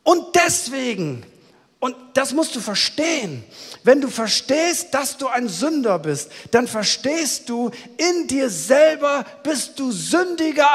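A man with a very high voice preaches with earnest, pleading urgency. He rises to loud, emphatic calls and drops to hushed, intimate asides. A long reverb tail hangs on every word, as in a large hall. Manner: earnest, pleading, swings between loud exclamations and quiet intimate passages. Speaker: pastor. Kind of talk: sermon.

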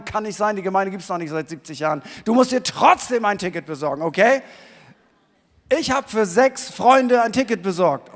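High-voiced man preaching in a hall. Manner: swings from quiet to shouted emphasis. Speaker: pastor. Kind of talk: sermon. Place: church hall. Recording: long reverb of a church hall.

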